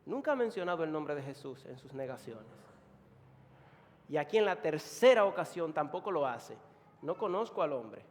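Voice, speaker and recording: A man with a Dominican accent preaching an emphatic sermon in a church, moving between quiet and loud. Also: on the high side, sing-song, normal speed, long reverb tail. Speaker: pastor.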